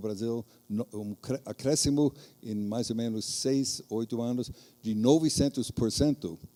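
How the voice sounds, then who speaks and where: With an American accent, a man speaks at medium pitch in a dark, mellow tone. His pace is moderate and his pitch varies in an ordinary way. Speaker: distance education association leader, panelist. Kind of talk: panel presentation. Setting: conference panel with audience. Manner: halting, many filler 'ah' sounds.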